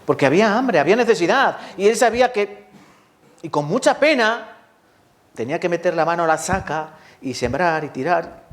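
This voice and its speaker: Guy preaching a sermon, kinda high voice, keeps asking the church questions and talking right at them. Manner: rhetorical questions, lively rises and drops; addresses congregation directly. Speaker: pastor.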